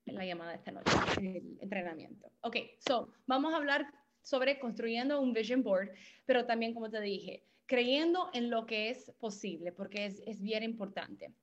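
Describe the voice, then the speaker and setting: Woman coach on a video call, bit high voice, keeps dropping english words into her spanish. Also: expressive, moderate pace, highs cut off. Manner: mixes English words into Spanish, self-deprecating about her Spanish. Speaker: guest speaker and business coach. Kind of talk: motivational training call. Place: home office.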